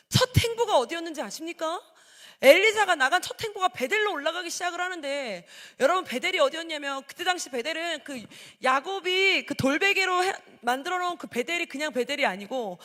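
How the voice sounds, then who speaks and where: A woman evangelist preaching a sermon, acting out quoted voices and swinging from shouting to hushed tones. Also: very high-pitched. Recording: hall with long reverb.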